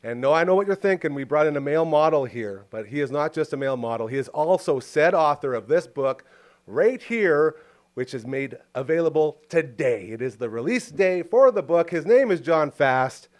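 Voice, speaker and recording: Rambling enthusiastic Canadian host. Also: male voice, fairly high pitch, lively intonation, moderate pace. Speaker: podcast host. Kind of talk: casual interview chat. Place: home recording studio booth.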